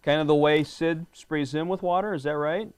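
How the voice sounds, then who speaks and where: A man's voice: fairly high pitch, fairly even intonation, moderate pace, clean tone. A middle-aged man, a police lieutenant, reading a picture book to a class of schoolchildren in a friendly way and often quizzing them. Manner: friendly, quizzing the kids, often asks "right?".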